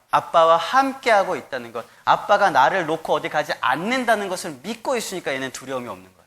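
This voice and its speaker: Male pastor, thirties, sermon, lively swooping delivery, bright tone. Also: a little high. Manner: animated storytelling, acts out quoted voices.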